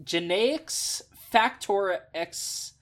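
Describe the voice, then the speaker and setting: A woman's voice: medium pitch, expressive, very slow. Rambling exasperated woman co-host. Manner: rambling, exasperated, lots of fillers. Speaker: podcast co-host. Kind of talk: casual chat about mecha designs.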